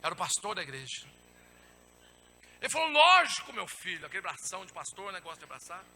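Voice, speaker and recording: A man preaching a sermon and telling a personal testimony, with dramatic storytelling that swings from hushed to shouting and repeatedly addresses the congregation as brothers. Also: high voice, sing-song, quick pace, a crowd in the background. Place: church.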